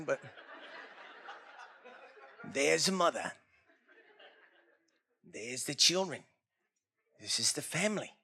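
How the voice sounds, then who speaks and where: In a raspy, put-on character voice, a man speaks at a moderate pace and a fairly high pitch, with very wide pitch swings and long, frequent pauses. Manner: documentary narration.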